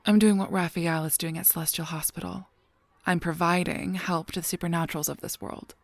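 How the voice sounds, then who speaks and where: A woman acts as a gentle but guarded female angel in an audio drama. The voice is low and husky with a gravelly creak, often sinking near a whisper. The delivery is measured, halting and solemn, recorded very dry and close. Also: fairly even intonation, no room sound. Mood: gently concerned. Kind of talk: scripted audio roleplay drama.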